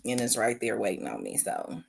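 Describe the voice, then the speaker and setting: A woman's voice: rumbling low, sing-song, fairly quick, gravelly, breathy edge. A young adult woman, a veteran and business owner, giving thoughtful interview answers and often repeating her phrases.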